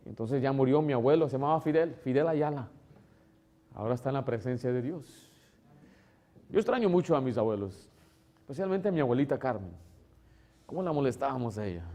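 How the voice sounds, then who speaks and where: A male pastor preaches an emotional sermon, shifting between loud exclamations and soft, tender asides. At times he acts out the voices of relatives in a higher tone.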